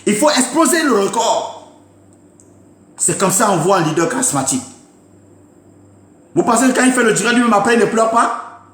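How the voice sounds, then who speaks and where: Impassioned high-voiced man ranting. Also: very animated, normal speed, long pauses, a bit bright, echoey room. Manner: emphatic, repetitive, scolding. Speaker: political commentator. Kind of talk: impassioned live-stream rant.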